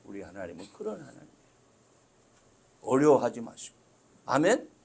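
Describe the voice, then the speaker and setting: A middle-aged man preaching a sermon as pastor, talking to the congregation in a conversational way that swells suddenly loud for emphasis and drops to soft asides. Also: mid-range voice, wildly swooping pitch, normal speed, gravelly, breathy edge. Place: church sanctuary.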